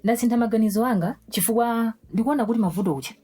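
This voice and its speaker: A woman's voice: a little high, rapid-fire, mellow, breathy edge. An actress playing a suspicious, outspoken young churchwoman in a radio drama, with a Malawian accent. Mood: insistent, suspicious. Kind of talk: vernacular radio drama acting.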